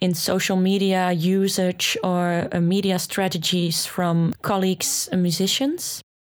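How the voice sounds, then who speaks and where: A woman talks at a medium pitch in an unremarkable speaking voice. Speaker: music student interviewer. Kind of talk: interview, conversational.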